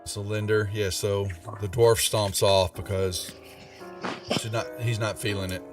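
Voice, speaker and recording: A low-pitched man, some way from the mic with music behind him, leads a tabletop game. He narrates casually and haltingly, repeating and restarting phrases as he goes. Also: flat delivery, far from the mic. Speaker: game master. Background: background music.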